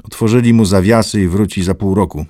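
A man voicing a rough, mocking middle-aged street fixer who jeers and swears. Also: fairly low pitch, fairly even intonation, fast talker, warm tone, dry recording, studio quality, natural voice. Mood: cheeky. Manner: coarse, jeering, swearing.

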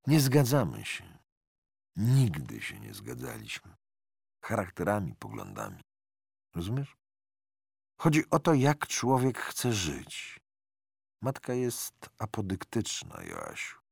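A man reading an audiobook, voicing a calm, caring older grandfather who is a retired colonel, speaking gently and reassuringly. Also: fairly low pitch, slow pace, creaky, long pauses, breathy edge, no echo, studio quality, voice pushed up, full character voice. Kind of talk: audiobook character voice.

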